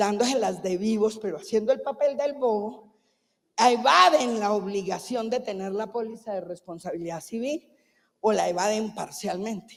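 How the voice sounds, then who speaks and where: Speaking in a plain, everyday voice, a woman talks at a moderate pace. Her pitch is fairly high, with ordinary variation. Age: 60s. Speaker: government official. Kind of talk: conference talk.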